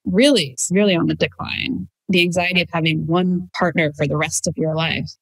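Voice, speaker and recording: A woman's voice: on the low side, fairly even intonation, brisk, husky, no room sound, rough recording. A woman in her thirties from Denmark, speaking tentatively and reflectively in a conversational interview. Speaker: psychologist guest, relationship podcaster. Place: home room, indoors. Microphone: video call, wearing headset.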